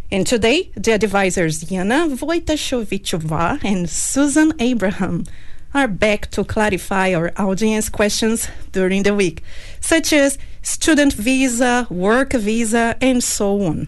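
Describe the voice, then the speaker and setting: A woman with a Portuguese accent speaks at a fairly slow pace and fairly high pitch, with lively intonation and very even loudness. Background noise is noticeable. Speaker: radio host. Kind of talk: casual chat. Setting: studio. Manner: laughs often.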